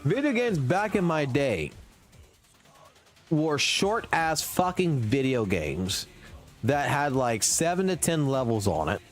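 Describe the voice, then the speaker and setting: A man in his mid-thirties rants on a gaming livestream, swearing often and hammering his points hard. His voice sits a little high for a man and swings widely in pitch as he gets worked up. Faint music plays behind him. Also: very animated, slow pace. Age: 30s. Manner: profane, ranting, emphatic. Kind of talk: casual gaming stream rant.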